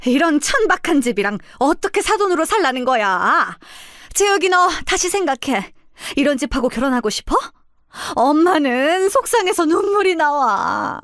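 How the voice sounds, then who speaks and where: A woman's voice: high voice, very animated, normal speed, fairly bright tone, dry recording, studio quality, voice pushed up, heavily acted. A woman voicing a haughty, snobbish middle-aged mother-in-law who sneers and shrieks. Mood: sneering. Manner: sneering, shrieking when angry.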